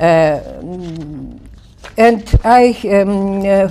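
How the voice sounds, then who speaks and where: A woman with a Russian accent talks with lively intonation. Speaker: conference speaker, government official. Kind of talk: conference talk. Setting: conference hall. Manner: halting, many fillers.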